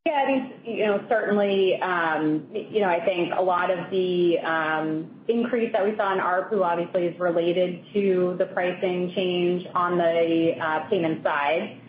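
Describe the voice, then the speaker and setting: A woman speaking as a company finance executive answering on an earnings call, in a measured, careful corporate manner. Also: fairly low pitch, fairly even intonation. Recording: echoey, tinny conference phone line with noise.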